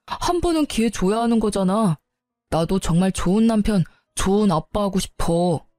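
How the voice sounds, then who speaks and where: A woman's voice: mid-range voice, lively intonation, normal speed, mellow, no room sound, lightly acted. A woman voicing a remorseful young husband who pleads and apologizes to his wife in a storybook tale. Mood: pleading. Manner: begging, apologetic.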